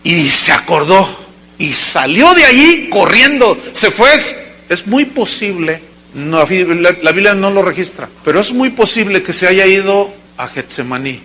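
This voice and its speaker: High-voiced, bright-toned preaching man. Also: big pitch swings, measured pace. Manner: preaching with bursts of shouting and dramatic quotes. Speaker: pastor. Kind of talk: sermon. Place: church service before a congregation.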